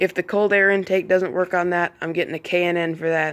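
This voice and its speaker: With a plain, everyday voice, a woman speaks at a fairly quick pace with a fairly low pitch and fairly even intonation. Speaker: car hobby vlogger. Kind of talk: casual vlog talk.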